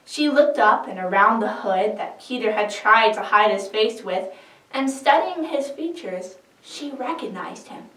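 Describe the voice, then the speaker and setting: A woman reading a scripted dramatic scripture narration as an expressive storyteller. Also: fairly high pitch. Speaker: dramatic reader. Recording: echoey room, distant microphone.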